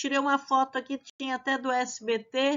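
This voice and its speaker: At a fairly slow pace, a woman speaks. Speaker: teacher preparing candidates for a public exam. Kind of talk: reading aloud of legislation; tutorial.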